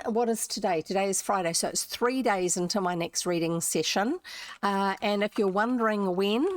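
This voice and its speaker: Kiwi woman streamer just chatting to her viewers, rambly asides, midrange voice, dry sound no echo. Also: mid-range voice. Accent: New Zealand. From New Zealand. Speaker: livestream host who reads old books aloud. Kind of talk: casual livestream chat to viewers.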